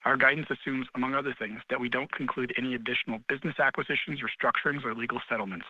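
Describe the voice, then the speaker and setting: Male investor relations reader, brisk scripted legal boilerplate, average pitch, dry and slightly muffled call audio. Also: steady tone, no echo. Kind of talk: scripted legal disclaimer reading.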